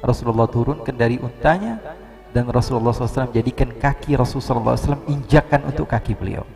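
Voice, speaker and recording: Gravelly-voiced Indonesian preacher in a hall. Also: male voice, medium pitch, very fast, music in the background. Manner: lively storytelling with acted quotes. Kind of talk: humorous Islamic sermon. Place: large mosque hall. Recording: reverberant hall.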